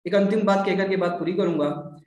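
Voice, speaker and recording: A man's voice: sits high, fairly even intonation, brisk, darkish tone. A man giving a religious discourse, explaining with homely examples and rhetorical questions. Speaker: spiritual teacher. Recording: echoey hall.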